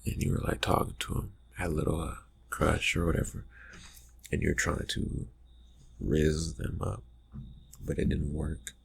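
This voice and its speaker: Man playing a slow, gravelly, murmuring vampire friend. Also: flat delivery, exaggerated voice. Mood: casual, teasing. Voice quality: breathy, husky, gravelly low murmur. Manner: halting, mumbling, trailing off. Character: brooding, distracted young male vampire friend, slyly teasing. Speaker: ASMR roleplay performer. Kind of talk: ASMR roleplay, improvised soft talk to the listener.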